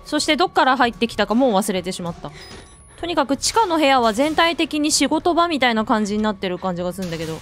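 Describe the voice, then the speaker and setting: A woman gamer gives horror game commentary in a high voice that leaps all over the place. She is jittery and jokey and breaks into frightened shrieks. Faint game music plays underneath. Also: big pitch swings, quick pace. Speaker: let's play gamer.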